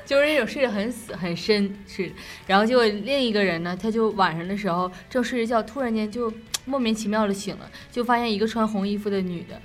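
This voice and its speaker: A woman's voice: medium pitch, quick pace, hardly any pauses, soft background music. A young woman with a Northeastern Chinese accent co-hosts a late-night show, telling ghost stories in a casual, rambling, repetitive way. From Northeast China.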